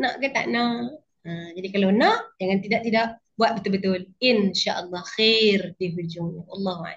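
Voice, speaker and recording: In a Kedah accent, a woman speaks fairly slowly and somewhat breathily at medium pitch, with ordinary pitch variation. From northern Malaysia, Kedah. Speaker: religious teacher. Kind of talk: religious lecture.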